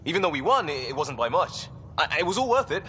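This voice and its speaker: An impulsive young spaceship crewman, with a fairly high voice that swings widely. He is earnest and emphatic, in video game scenes with echoing reverb and clear background rumble. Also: big pitch swings, fast talker, pushed and bright. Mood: sheepish, relieved. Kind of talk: video game dialogue acting.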